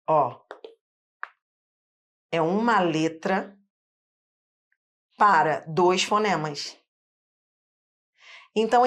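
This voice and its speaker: A woman teacher with a Carioca accent from Rio, patiently explaining a phonetics lesson step by step. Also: on the low side. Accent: Carioca Brazilian Portuguese. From Rio de Janeiro. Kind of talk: online phonetics lesson at a board.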